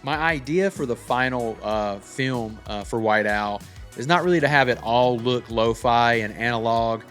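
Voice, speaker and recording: A man's voice: mid-range voice, normal speed, fairly bright tone. A man giving a casual tutorial as a filmmaker, walking through how a short film was made. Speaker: filmmaker presenting a breakdown of their own short film. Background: background music.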